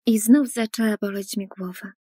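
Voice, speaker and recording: Female storyteller with a husky, mellow voice for an animated first-person story, earnest, dry studio read. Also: medium pitch, moderate pace, no echo. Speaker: narrator.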